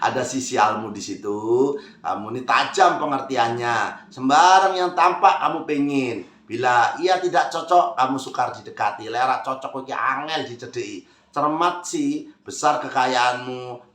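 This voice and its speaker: A man's voice: medium pitch, a bit bright. Chatty man reading horoscopes. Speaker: zodiac fortune reader. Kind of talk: casual spoken horoscope reading. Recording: roomy echo.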